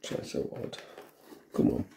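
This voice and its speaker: A middle-aged man giving a casual hands-on tutorial, halting and thinking aloud as he works in a room at home. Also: very noisy. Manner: halting, unscripted, thinking aloud while working. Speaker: vlogger demonstrating a helmet intercom fitting.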